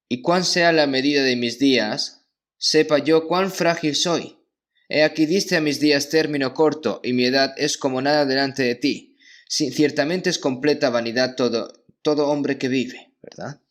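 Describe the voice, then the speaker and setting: A man preaching a sermon as pastor in a church, in a measured delivery that keeps checking in with his listeners through short questioning tags. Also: medium pitch, a bit bright.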